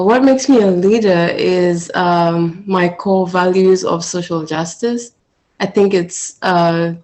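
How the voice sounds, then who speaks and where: A woman from Kenya, an international student, introducing herself on a panel carefully and with many pauses. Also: lowish voice, a little mellow, low-quality recording. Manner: careful, hesitant, many fillers.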